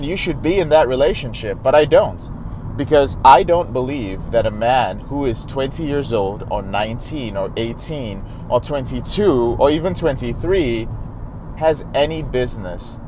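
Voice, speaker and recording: A man's voice: medium pitch, darkish tone, low-quality recording. A man coaching his viewers in a direct, earnest monologue. His voice sits in a mid range, and he speaks frankly as if to brothers. Faint car and street noise runs under the recording. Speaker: recovery coach. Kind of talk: direct-to-camera advice monologue.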